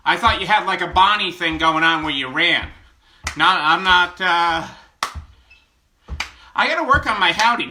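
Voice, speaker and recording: Guy from upstate ny doing a chatty live stream, jokey, super bright tone. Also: sits high, a little hiss or hum. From upstate New York. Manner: playful, jokey, reads out viewer names. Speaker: livestream host. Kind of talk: casual live chat greeting viewers.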